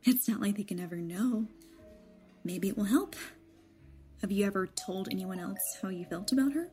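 A woman's voice: medium pitch, normal speed, mellow, lightly acted. A woman playing a probing young woman of twenty-one in an audio drama, outwardly light and secretly uneasy. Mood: probing, teasing. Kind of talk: naturalistic audio drama acting. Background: background music.

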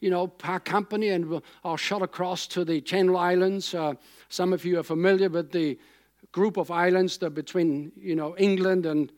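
A man in his sixties from Austria, a German speaker, preaching a sermon in a conversational, rambling way with emphatic repetition. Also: high-pitched. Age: 60s. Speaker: pastor.

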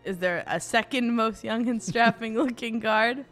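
A woman's voice: a little high, measured pace, a bit bright, soft background music. A woman playing a tabletop game, playful and giggly as she asks questions. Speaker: player.

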